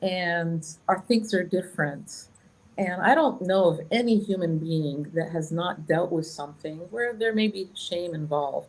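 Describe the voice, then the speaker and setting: A woman with an unremarkable speaking voice talks fairly slowly at a fairly low pitch, with ordinary pitch variation. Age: 60s. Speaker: doctor and talk show host. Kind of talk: interview.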